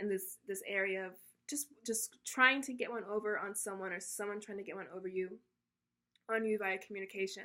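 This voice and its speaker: A woman mumbles at a fairly quick pace. Her tone is bright and sharp. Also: medium pitch for a woman, fairly even intonation. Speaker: tarot reader. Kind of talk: tarot reading monologue. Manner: mumbly, fast.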